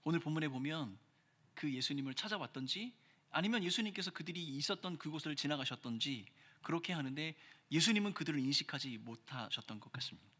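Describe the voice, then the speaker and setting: A man preaching a sermon as pastor, earnest, pressing hard on key phrases and then dropping his voice low. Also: expressive, fast talker, bright, forceful tone. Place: church sanctuary. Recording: church hall reverb.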